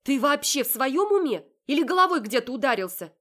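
Indignant young woman, voiced by the female narrator, raised and shrill. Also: sing-song, a little fast, heavily acted. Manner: loud, indignant, high-pitched outbursts. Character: heated young woman arguing with her sister.

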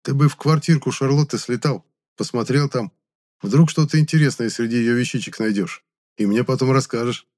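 A man voicing a sharp-tongued young male hero who talks bluntly and scolds. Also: mid-range voice, moderate pace, voice pushed up, close to an everyday voice. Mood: wry.

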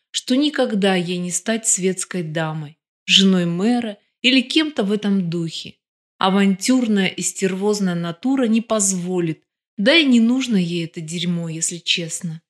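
A woman narrating a crime novel as an audiobook, steady and expressive. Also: medium pitch, moderate pace.

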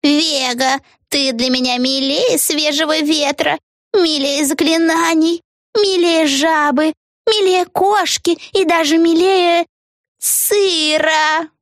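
A woman voicing a scheming old witch who talks in a drawn-out, falsely tender sing-song. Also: high voice, animated, no room sound, clean studio sound, pitched above the performer's own voice. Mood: sugary sing-song.

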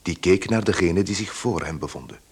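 A man narrating a literary radio play in measured, unhurried phrases. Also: sits low, slightly rough.

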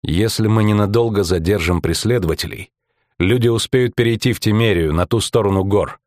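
A man's voice: lowish voice, fairly quick, a little mellow, no room sound, clean studio sound, close to an everyday voice. A male audiobook narrator voicing a fierce, blunt woman mercenary captain who gives orders. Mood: rousing. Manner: commanding, blunt.

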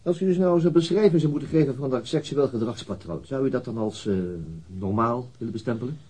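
An actor playing a police detective in a radio drama, asking probing questions in a formal, hesitant, husky manner. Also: male voice, mid-range voice, fast talker, warm tone, lightly acted. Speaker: police interrogator. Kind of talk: radio drama interrogation acting.

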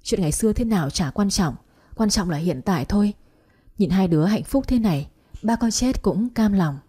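A woman puts on an elderly mother, tearful and emotional, in a mellow, breathy tone. The voice stays soft and warm, with a husky edge. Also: mid-range voice, expressive, normal speed.

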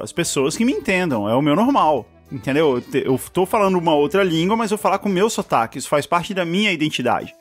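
A man's voice: fairly high pitch, slightly rough. A Brazilian man with a Brazilian Portuguese accent, hosting a podcast, asking eager questions and telling chatty stories. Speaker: podcast host. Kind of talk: casual podcast interview.

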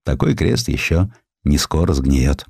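A man reading a historical essay as a scripted, dramatic literary narration, in an expressive, theatrical storytelling manner. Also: a bass voice, unhurried, gravelly, breathy edge, no echo, clean studio sound. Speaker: audiobook narrator.

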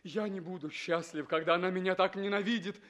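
An actor playing an ardent, proud young prince, declaiming theatrically in a 1960s recording of a stage comedy. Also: male voice, sits high, steady tone, fairly quick, a bit bright. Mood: pleading, proud. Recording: 1960s radio stage recording, audience behind.

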